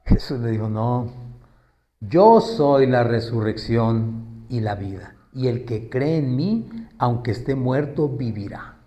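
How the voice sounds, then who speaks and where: A man's voice: medium pitch, slow pace, warm tone. A man preaching a sermon in a conversational way, asking the congregation questions and acting out quoted pleas.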